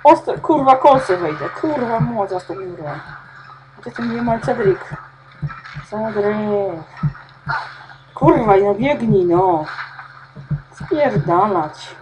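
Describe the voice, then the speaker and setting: A woman's voice: medium pitch, animated, takes it slowly, pauses often, background noise. A woman playing a video game, talking to herself and swearing constantly as she gets lost and frustrated. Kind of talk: swearing gameplay commentary.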